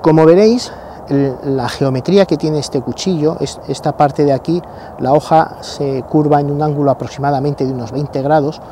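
A man in his sixties, a channel host, seated in sunny pine woods, explaining his gear to the camera in a halting way, with fillers and repeated words. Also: on the high side, warm tone. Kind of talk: casual outdoor gear talk to camera. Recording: noisy outdoor recording.

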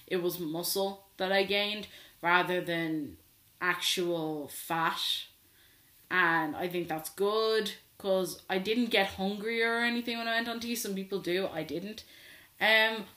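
His voice sits high and has a sharp edge as this sixteen-year-old trans man vlogs from a small bedroom. The casual update to his laptop camera is candid and full of fillers, and the room gives it an echo.

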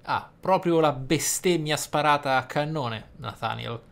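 A man hosts a role-play gaming video, offering game commentary and occasionally reading in-game text aloud in a reflective, explanatory way. His voice is fairly high, creaky and fairly bright, and he takes his time. Faint noise and game ambience sit under the recording.

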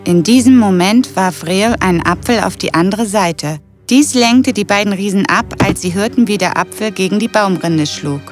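A woman's voice: medium pitch, moderate pace, hardly any pauses. A woman storyteller reading a scripted children's fairy tale. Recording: clear music behind the voice.

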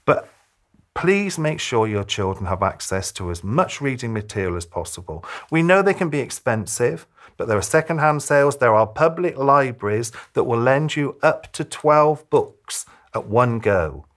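A man in his fifties presents advice straight to the listener with a highly animated, swooping intonation. He speaks at a medium pitch, emphatically, pausing deliberately between listed phrases like a practised storyteller. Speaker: children's author giving reading tips to parents. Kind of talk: direct-to-camera advice talk, presentational. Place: small furnished room, indoors.

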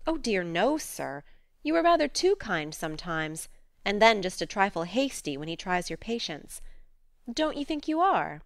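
A woman's voice: mid-range voice, very animated, moderate pace, dry recording. A woman reading a spirited, outspoken teenage girl who speaks earnestly and frankly.

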